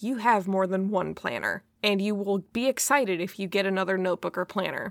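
A woman talks at a fairly quick pace in a plain, everyday voice with ordinary pitch variation. The sound is dry and close with no echo. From US Midwest. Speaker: podcast co-host. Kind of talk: casual chat.

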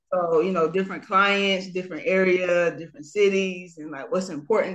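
A woman with a Southern US accent speaks at a medium pitch. Her pace is moderate and her intonation fairly even. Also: hardly any pauses, big swings in loudness. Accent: Southern US (Georgia). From US South, Georgia. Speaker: real estate agent, military veteran. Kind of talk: interview. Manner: hesitant, many fillers.

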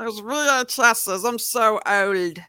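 A female-sounding voice puts on a character voice. It sits fairly high in pitch and keeps a moderate pace. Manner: lousy, faltering.

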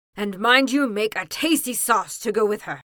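A put-on character voice, female-sounding and fairly high-pitched, at a moderate pace. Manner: urgent, demanding.

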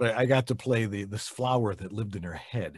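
A fairly low, somewhat breathy male voice with an American accent, moderate pace and ordinary pitch variation, on a very clean recording with a silent background. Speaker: voice-over home studio consultant and voice actor. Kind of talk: casual interview.

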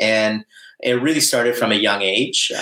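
A man speaks with a Canadian accent. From Ontario, Canada (Thorold, Niagara region). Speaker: event and creative producer, designer, musician. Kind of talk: casual interview chat.

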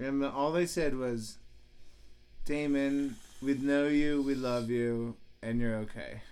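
Audible room echo marks this recording of a man with an American accent and a medium pitch. He speaks at a very slow pace, with fairly even intonation and long, frequent pauses. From West Virginia. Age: 30s. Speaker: podcast host. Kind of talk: casual chat. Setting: recording in Tahoe. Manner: casual, filler-heavy.

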